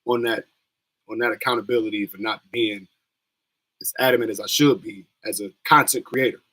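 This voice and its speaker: Young man, scratchy voice, casual streamer, slangy and rambling, mid pitch. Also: fairly bright tone. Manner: loose, slangy, rambling talk. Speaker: streamer hosting a wrestling watch-along. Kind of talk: casual livestream chat.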